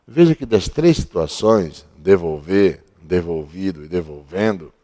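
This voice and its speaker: A man's voice: sits low, expressive, a little slow, warm tone. A man teaching a recorded grammar lesson at a board, explaining step by step and asking and answering his own questions. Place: at a board he writes on and erases.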